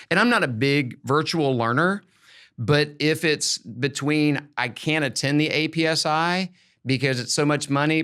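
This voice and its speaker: A man's voice: fairly high pitch, fairly bright tone. Folksy man giving casual teaching advice. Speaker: podcast host and education expert.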